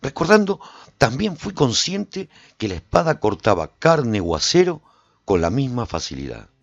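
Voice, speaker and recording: An animated, proud lone-warrior narrator. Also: male voice, medium pitch, moderate pace, no room sound, highs cut off. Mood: reflective. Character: lone warrior man recounting his post-apocalyptic adventures, proud and vivid. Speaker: narrator and lead actor of a radio serial. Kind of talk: dramatic first-person radio storytelling.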